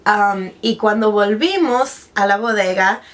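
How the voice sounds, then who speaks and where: A woman's voice: mid-range voice, slow. A woman in her twenties, raised speaking Spanish but now mostly speaking English, vlogging casually from her bedroom and often restarting and mixing in English words. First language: Spanish, now mainly speaks English. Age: 20s. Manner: chatty, with frequent restarts and English words slipped in. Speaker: beauty vlogger. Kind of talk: casual personal vlog. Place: bedroom with vanity desk, indoors. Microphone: camera in front, seated at medium distance.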